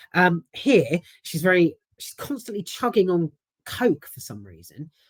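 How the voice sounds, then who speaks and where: In a South London accent, the speaker talks at a fairly slow pace. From South London (Sutton). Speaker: film reviewer. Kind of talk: casual film review monologue. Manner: halting, many fillers and restarts.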